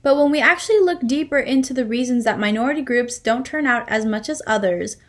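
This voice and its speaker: A woman with a slightly high voice, speaking a little fast, performs scripted readers theater with light acting. She plays a fair-minded advocate defending a voter's rights, earnest, firm and explanatory.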